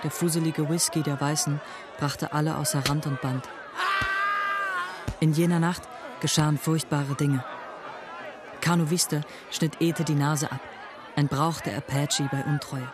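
A man's voice: a little high, flat delivery, a little slow, pauses often, crowd noise, background noise, lightly acted. An actor playing an earnest young Native American warrior, telling his story solemnly in a radio drama. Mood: grim, solemn. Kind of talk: dramatic first-person narration in radio play. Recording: loud music under the voice.

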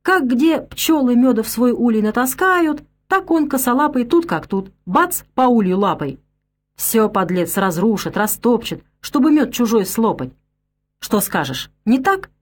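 A woman voicing a blunt older man partisan with a thick, husky voice, lecturing sharply. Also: fairly high pitch, very animated, moderate pace, pitched above the performer's own voice. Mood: blunt scolding.

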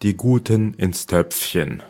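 A poor, meek girl from a storybook speaks in a soft, plaintive way, sighing as she talks, as a man puts her on. His voice rises above its usual low register but keeps a slight huskiness. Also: slow.

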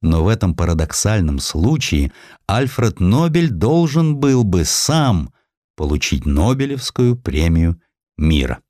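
A man narrating a historical sketch as a scripted audiobook, with an expressive, theatrical storytelling manner. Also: deep voice, measured pace, dry recording, studio quality.

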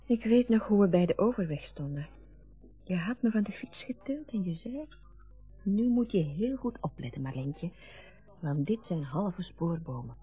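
Husky, low-voiced grown daughter. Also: female voice, lively intonation, normal speed. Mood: nostalgic. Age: adult. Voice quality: husky, breathy. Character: wistful, reproachful grown daughter. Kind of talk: naturalistic radio drama acting. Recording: dull lo-fi radio recording with music.

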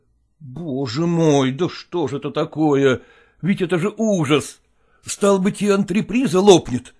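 A man's voice: on the high side, a little slow, darkish tone. A man voicing an agitated, hot-tempered male actor who speaks in a heated, insistent way. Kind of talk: audiobook character voice.

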